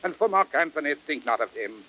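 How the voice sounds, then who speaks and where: A man playing a grave, high-minded Roman nobleman, speaking in a solemn, measured, oratorical Shakespearean style. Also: expressive, bright, forceful tone, rough recording. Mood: earnest, resolute. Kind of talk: classic Shakespearean radio acting, oratorical. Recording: hissy old audiodrama record.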